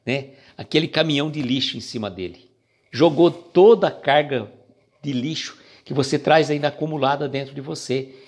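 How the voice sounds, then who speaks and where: A man's voice: a little high, darkish tone, husky. Man reading and explaining a spiritual book. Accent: Brazilian Portuguese. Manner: reads passages slowly, then explains casually with fillers and jokes. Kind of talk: casual reflective reading and commentary.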